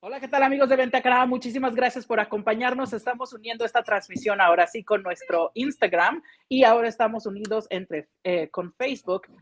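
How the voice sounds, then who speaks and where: A woman's voice: a little high, quick pace. A woman hosting a live stream, greeting viewers in an upbeat, welcoming way. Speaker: livestream host.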